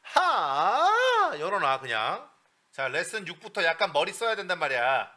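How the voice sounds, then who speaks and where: Brisk and animated, the vocal coach runs his lesson with a sharp edge, bossing the student around with crude slang and jokes. Now and then he slips into breathy falsetto demonstrations.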